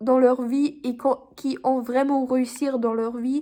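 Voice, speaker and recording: A woman speaks very slowly with a non-native accent. Her pitch is high. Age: young. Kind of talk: personal video diary talk to camera. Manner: hesitant, emotional.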